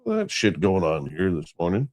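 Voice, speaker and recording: A man's voice: deep voice, wildly swooping pitch, moderate pace, a little mellow, dry recording, clean studio sound. A congested, just-woken-up man hosting a live radio stream, chatting loosely and greeting his viewers by name. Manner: rambling, chatty, affectionate with viewers. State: congested, stuffy nose. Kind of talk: casual live show chat, reading out chat names.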